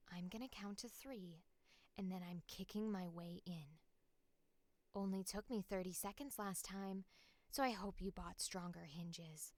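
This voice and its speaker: A woman's voice: mid-range voice, dry recording. A woman voicing a tough, hot-headed, fiercely loyal action character in a punchy, dramatic audition read. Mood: menacing, cocky. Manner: punchy, forceful delivery.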